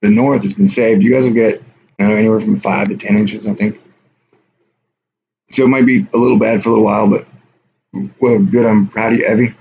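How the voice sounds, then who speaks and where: Man, mid-pitch, casual livestream host, rambling and offhand, dull lo-fi audio with faint hiss. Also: steady tone, a little fast, creaky, pauses often, a little mellow. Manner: rambling, offhand, reads chat aloud. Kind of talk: casual live stream chat with viewers.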